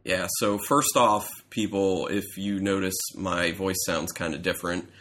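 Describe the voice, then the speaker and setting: A man's voice: low voice, fairly even intonation, measured pace, a bit bright, slight background noise. A man co-hosting a podcast in casual chat, his voice congested and stuffy from a cold, rambling and correcting himself as he goes. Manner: rambling, self-correcting storyteller. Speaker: podcast co-host.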